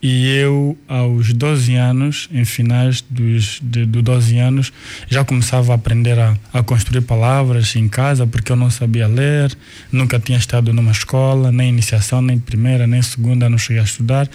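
Angolan man telling his life story slowly. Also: mid-range voice, little pitch movement, mellow. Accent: Angolan Portuguese. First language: Kikongo. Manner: unhurried, restarts and repeats words while recalling. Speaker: guest, artist and cultural manager.

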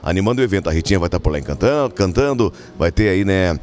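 Homem gaúcho animado no rádio. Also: male voice, sits low, expressive, very fast, darkish tone. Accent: Rio Grande do Sul Portuguese. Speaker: field reporter. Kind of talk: live radio report.

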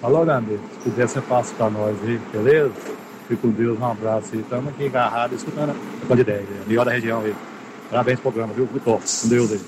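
Quick casual Brazilian man, noisy line. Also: mid-range voice, fairly even intonation. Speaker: caller.

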